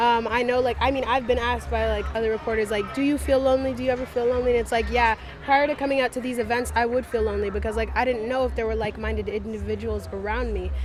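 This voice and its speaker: In a room with audible echo and noticeable background noise, a woman speaks at a very fast pace. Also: hardly any pauses. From Canada. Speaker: protester. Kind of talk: street interview.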